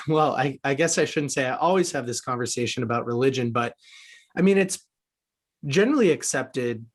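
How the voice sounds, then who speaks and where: A man from the United States hosting a conversational podcast interview, musing reflectively at length. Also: mid-range voice.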